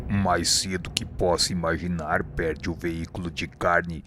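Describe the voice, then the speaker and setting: A grave, wise Brazilian spirit mentor teaches in a radio drama. His voice is deep and very slow, patient and solemn. Soft music runs underneath. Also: flat delivery. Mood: grave, instructive. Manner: didactic, solemn, deliberate.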